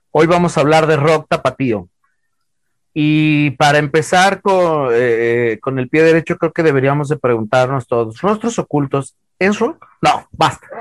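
A man's fairly high-pitched, plain, everyday voice at a fairly slow pace with ordinary pitch variation, in a dry, close sound with no echo. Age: 30s. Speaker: podcast host. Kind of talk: casual chat.

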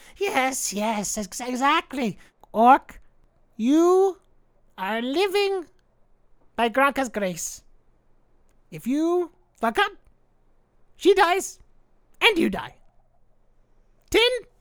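A man shouting in a put-on character voice, extremely high-pitched with very wide pitch swings, at a very slow pace broken by long, frequent pauses. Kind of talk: comic overacting. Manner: shouting, broken grammar, hotheaded.

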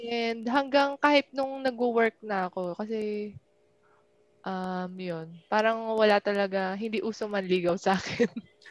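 A woman speaks in a normal speaking voice at a fairly high pitch with ordinary pitch variation. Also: fairly slow pace, dry, close sound with no echo. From Quezon City, Philippines. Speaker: podcast co-host. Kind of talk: casual chat.

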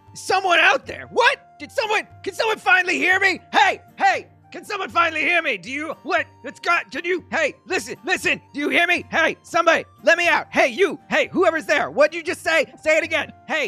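A man puts on a character voice at an extremely high pitch, with hardly any pauses. Faint music plays in the background. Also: moderate pace. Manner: angry, shouting, desperate.

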